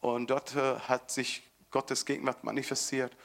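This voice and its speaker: A man preaching a sermon with fervent emphasis, moving between loud bursts and quiet storytelling, often restarting and repeating words. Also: medium pitch, flat delivery, normal speed, vocal fry.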